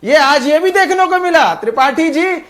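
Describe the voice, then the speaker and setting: A man's voice: very high-pitched, animated, moderate pace, a crowd in the background. A man arguing as a party spokesperson in a heated TV political debate, insisting and talking over others.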